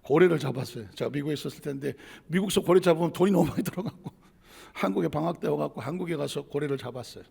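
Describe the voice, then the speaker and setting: A middle-aged man preaching a sermon as pastor, dramatic, acting out God's voice in shouts and dropping to hushed asides. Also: fairly high pitch, rapid-fire, creaky, husky. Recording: long reverb of a church hall.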